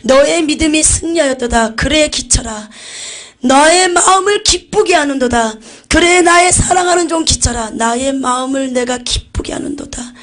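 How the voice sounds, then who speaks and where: A woman voicing Jesus speaking from his throne, proclaiming slowly and loudly in a high voice within her testimony. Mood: exalted joyful. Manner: slow, loud, high proclaiming voice. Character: Jesus speaking from a throne, male, exalted and commanding. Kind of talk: acted quote within a testimony.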